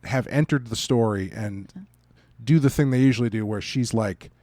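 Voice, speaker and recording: A man's voice: mid-range voice, moderate pace, warm tone, no room sound, clean studio sound. A man co-hosting a podcast, giving a casual, conversational review. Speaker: podcast co-host.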